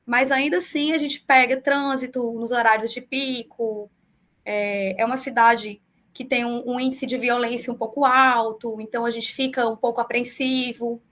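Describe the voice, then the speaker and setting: A woman in her forties with a Brazilian accent that mixes southern and northeastern sounds, answering interview questions over a video call in a measured, explanatory way with frequent fillers. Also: on the high side, steady tone, fairly bright tone. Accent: mixed southern Brazilian and northeastern Brazilian Portuguese. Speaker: public defender.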